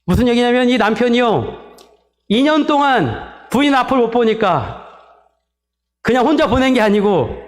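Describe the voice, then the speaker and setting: Lively high-pitched preacher man. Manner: storytelling, acts out quoted dialogue in softer lower tones; addresses the congregation directly, asks for amens. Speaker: pastor. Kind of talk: sermon.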